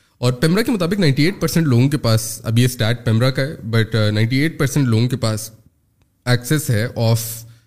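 With ordinary pitch variation, a man talks in a somewhat breathy voice. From Pakistan. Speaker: education entrepreneur. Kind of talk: interview.

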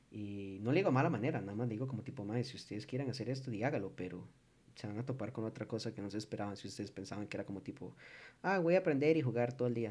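A man with a Costa Rican accent and medium pitch speaks at a very fast pace with lively intonation. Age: 20s. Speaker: podcast host and streamer. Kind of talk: casual chat.

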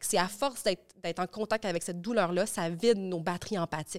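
Fairly quick speech with ordinary pitch variation and a dry, close sound with no echo. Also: woman. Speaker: social worker. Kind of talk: interview.

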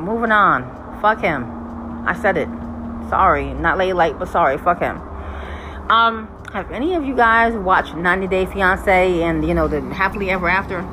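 A woman speaks at a medium pitch and a moderate pace, with ordinary pitch variation and long, frequent pauses. Audible room echo and noticeable background noise surround her voice. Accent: American. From US Northeast, Tri-State area. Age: 40s. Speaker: podcast host. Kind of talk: casual solo monologue. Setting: outdoors on a balcony.

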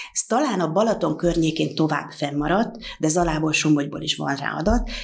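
This woman has an unremarkable speaking voice with a fairly low pitch. She talks at a moderate pace with ordinary pitch variation. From Hungary, Somogy county. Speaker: ethnographer, museum researcher. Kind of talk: interview.

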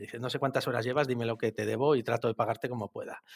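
Talking very fast with fairly even intonation, a man at medium pitch is captured with a dry, close sound and no echo. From Asturias, Spain (Oviedo). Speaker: startup founder. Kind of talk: interview.

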